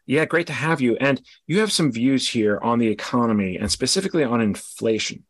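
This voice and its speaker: A man with a medium-pitched voice hosts a podcast. He talks to listeners and guests in an interview-show style. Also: animated, a little fast. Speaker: podcast host.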